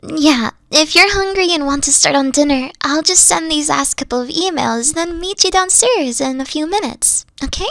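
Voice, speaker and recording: A young woman voicing a weary, gentle fox-spirit girlfriend in an audio roleplay, soft-spoken and hesitant, often trailing off. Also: sits high, moderate pace, gravelly, hardly any pauses, dry recording. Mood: tired, reassuring.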